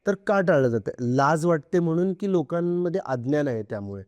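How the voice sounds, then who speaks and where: A man in his thirties or forties hosting a podcast, asking measured, formal questions. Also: fairly high pitch, animated, a little mellow, no room sound, highs cut off. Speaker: podcast host. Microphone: podcast microphone.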